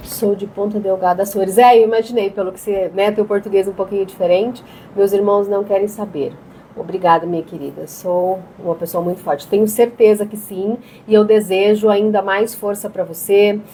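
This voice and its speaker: A woman in a monotone, flat intonation, with noticeable background noise. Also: medium pitch for a woman, moderate pace. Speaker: therapist live-streamer. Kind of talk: live stream Q&A chat. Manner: talkative; hesitant, filler-heavy.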